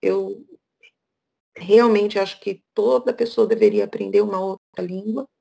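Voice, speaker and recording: A woman's voice: medium pitch, fairly even intonation, a little slow, creaky, mellow, husky. A middle-aged woman from Brazil, speaking as a guest speaker over a video call, frank and chatty. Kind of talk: casual talk on a video call.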